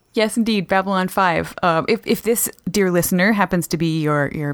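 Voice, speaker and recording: In a normal speaking voice, a woman with a fairly low pitch talks at a fairly quick pace with lively intonation. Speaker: podcast host. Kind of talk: casual chat.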